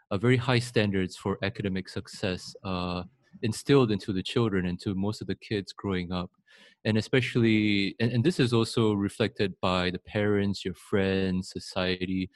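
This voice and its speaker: Guest, male, low voice, rambles with many restarts, dry recording. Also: no room sound. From Singapore. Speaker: podcast guest. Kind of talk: casual interview.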